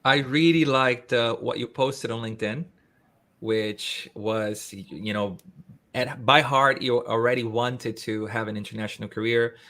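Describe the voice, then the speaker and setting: A man, hosting a casual interview in English, talking in an animated way with frequent restarts. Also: medium pitch, unhurried. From Brazil. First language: Portuguese. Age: 30s. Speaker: host.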